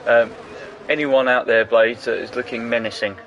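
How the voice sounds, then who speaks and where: A man doing casual, jokey commentary on an online racing league, full of quick asides. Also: mid-range voice, fairly even intonation, muffled recording, slight background noise. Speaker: race commentator.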